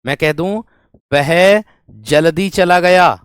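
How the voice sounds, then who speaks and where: Slow and smooth, a high male voice comes through in a studio-quality recording free of room sound. The speaker teaches Hindi grammar to a class, reading out example sentences, repeating phrases, and regularly checking understanding through familiar rhetorical questions.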